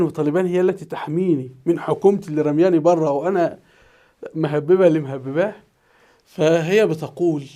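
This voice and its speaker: A man with an Egyptian accent, a teacher telling a news story as commentary and acting out the quoted voices. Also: fairly high pitch. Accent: Egyptian Arabic. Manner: animated, acts out quoted voices.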